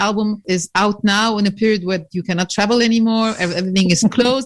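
The speech comes at a very fast pace with an Arabic accent. Loudness stays very even, with ordinary pitch variation. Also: woman. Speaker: radio host. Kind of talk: interview.

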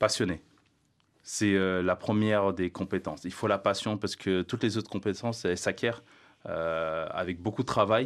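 Fairly low in pitch, a man's voice has fairly even intonation. He speaks at a fairly slow pace. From DR Congo, Matadi. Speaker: football coach. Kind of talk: studio panel discussion. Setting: studio. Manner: hesitant, many fillers.

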